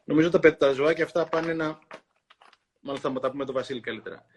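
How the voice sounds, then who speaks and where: A man hosting a talk, reading a children's book aloud in an expressive storytelling way and pausing to comment. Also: fairly high pitch, slightly rough. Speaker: host.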